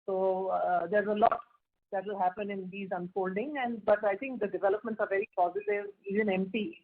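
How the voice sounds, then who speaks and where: A woman with an Indian accent answering questions as a company executive on an earnings call, in a halting, conversational way. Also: medium pitch. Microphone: telephone. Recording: muffled narrow phone conference line.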